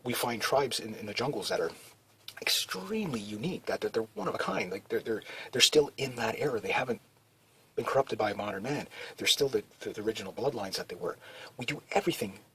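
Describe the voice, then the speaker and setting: A man's voice: fairly low pitch, expressive, a little fast, a bit bright, slightly rough, rough recording. A man talking in a rambling, casual monologue, full of restarts and fillers. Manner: meandering, many restarts and "you know" fillers. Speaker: video blogger.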